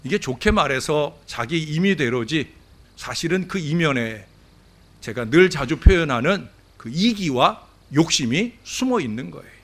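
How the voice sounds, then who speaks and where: A male pastor delivering a Sunday sermon at a church service, speaking straight to his congregation. His voice sits a bit high, and its pitch leaps and falls in lively, emphatic swings. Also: moderate pace. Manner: animated preaching, addresses the congregation directly.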